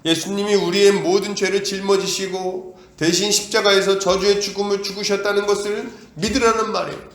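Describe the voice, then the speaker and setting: A man's voice: sits high, flat delivery, a little fast, few pauses, fairly bright tone, roomy sound. A male pastor preaching an emphatic sermon, asking his congregation rhetorical questions and acting out the voices of doubters. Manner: acts out quoted voices of doubters and of God. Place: church.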